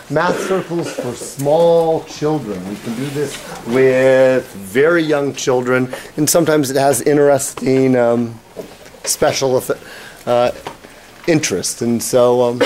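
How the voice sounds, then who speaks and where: A man opening a workshop panel in a halting way, with pauses and restarts. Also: mid-range voice, a little mellow, slight background noise. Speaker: panel moderator. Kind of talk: panel introduction.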